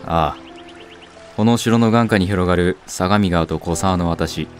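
In a Japanese period voice drama, a man plays a proud, fatherly samurai castle lord, speaking in an archaic, lordly manner that is warm and stately. His voice is deep and a little slow, with faint music in the background.

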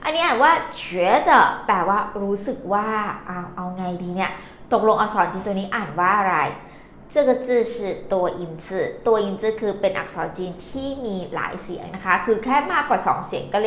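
A woman's voice: mid-range voice, expressive, a little fast, a bit bright. Woman teaching, echoey room. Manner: patient, explains stroke by stroke, quizzes viewers. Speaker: Chinese language teacher. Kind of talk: live-streamed vocabulary lesson. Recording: echoey room, faint noise.

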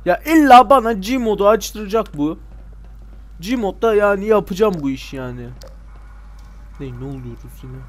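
A man giving casual gameplay commentary, excitable and sarcastic, talking back at game characters with sudden loud outbursts and grumbling asides. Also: high-pitched, moderate pace, pauses often, a little hiss or hum. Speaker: let's play gamer.

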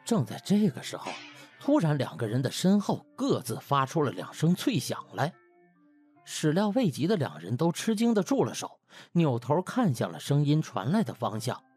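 A man's voice: fairly high pitch, wildly swooping pitch, moderate pace, a little mellow, husky. A man narrating a comic audiobook in a dramatic storytelling manner. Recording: music bed behind the voice.

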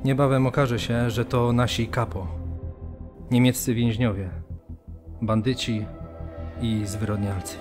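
A man's voice: mid-range voice, steady tone, unhurried, pauses often, darkish tone, faint music behind, lightly acted. Actor as grim, wary male prisoner. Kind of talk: scripted radio drama narration.

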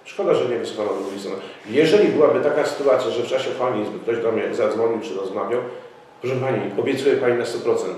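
A man's voice: mid-range voice, a little mellow, slight background noise. A middle-aged man at a press conference, speaking formally and insistently, with frequent hesitations. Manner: formal, insistent, halting with fillers. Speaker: local party representative. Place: office room, indoors. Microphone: far camera mic. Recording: echoey room, voice from far off.

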